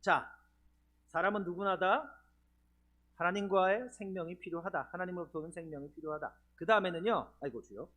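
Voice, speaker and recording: In a church sanctuary, a male pastor from the Chungcheong region of Korea leads a healing seminar, putting questions to the congregation throughout. He speaks briskly in a high-pitched, fairly bright voice.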